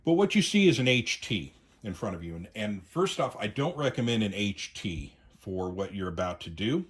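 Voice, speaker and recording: A man's voice: lowish voice, sing-song, normal speed, husky. A man hosting a casual gear review video, talking conversationally and often hesitating and correcting himself. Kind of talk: casual product demonstration.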